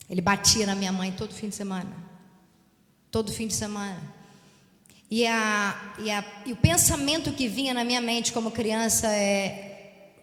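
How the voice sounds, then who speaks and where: A woman pastor giving an earnest, confiding personal testimony within a sermon. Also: medium pitch. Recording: echoey hall reverb.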